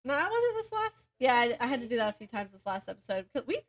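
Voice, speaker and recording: A young woman with a distinctly high voice talks as a podcast co-host. She rambles through everyday stories in a casual, chatty style, and her delivery is giggly. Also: big pitch swings, quick pace. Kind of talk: casual chat between friends.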